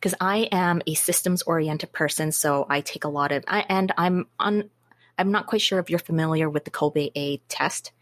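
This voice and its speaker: A woman guest on a business podcast, answering interview questions in a measured, methodical way. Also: sits low, no echo. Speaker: guest, business systems consultant.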